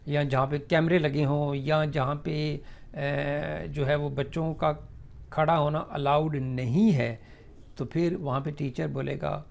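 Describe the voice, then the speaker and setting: Male English teacher with a raised, gravelly voice. Drags out each model sentence, then explains it in a chatty, filler-heavy way. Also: fairly high pitch, fairly even intonation. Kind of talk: spoken English lesson explained in Urdu.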